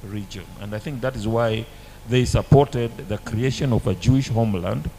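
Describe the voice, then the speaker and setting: A man giving a halting, deliberate explanation as a guest in a history discussion. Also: medium pitch, warm tone, a little hiss or hum, poor audio. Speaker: panel guest.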